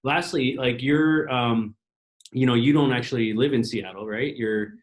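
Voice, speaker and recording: A man's voice: mid-range voice, unhurried, poor audio. A man interviewing a guest over a remote call from home, rambling with many fillers and restarts.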